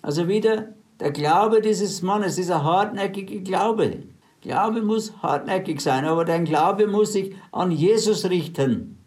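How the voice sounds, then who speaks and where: A man's voice: high voice, unhurried, a little mellow. A man preaching a sermon, retelling scripture stories in plain everyday words and urging his listeners on in faith.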